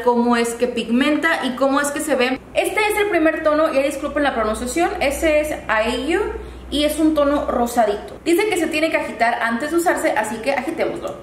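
Chatty high-voiced beauty vlogger. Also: female voice. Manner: chatty, upbeat and friendly. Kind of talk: casual product review. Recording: echoey room, faint ambient noise.

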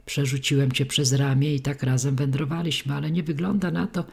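A woman reading an audiobook, voicing a worn-out man who speaks gently to a child. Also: rumbling low, level tone, brisk, gravelly, slightly rough, heavily acted. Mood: sad. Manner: gentle, soothing. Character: exhausted man, tender with a child.

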